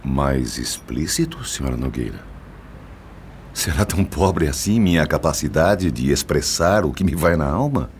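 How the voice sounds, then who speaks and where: An actor playing a mature, wealthy widower in a radio soap, a sugary-voiced seducer speaking in courtly, formal phrases. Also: male voice, expressive, normal speed, a little mellow, slight background noise. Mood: ardent, wounded. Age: older. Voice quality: very deep, sugary. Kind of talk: radio soap opera acting. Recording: music behind the voice.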